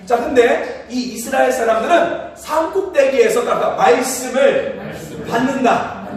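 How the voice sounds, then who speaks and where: A man's voice: very high-pitched, unhurried, crowd noise. A man preaching a sermon as pastor, quizzing the congregation, having them repeat after him, and chuckling often. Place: church sanctuary. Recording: echoey church hall from far off.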